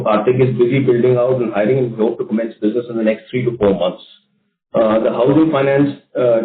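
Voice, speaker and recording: An Indian man speaks as a company executive, formal and measured in his delivery. He sounds set back from the microphone in a roomy space, heard through a narrow phone-like conference line. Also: medium pitch, far from the mic. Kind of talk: prepared earnings call remarks. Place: conference call.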